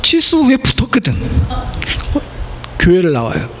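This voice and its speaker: A man's voice: sits high, huge pitch swings, moderate pace. A middle-aged male pastor giving a sermon in a church, preaching conversationally and asking the congregation rhetorical questions. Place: church sanctuary.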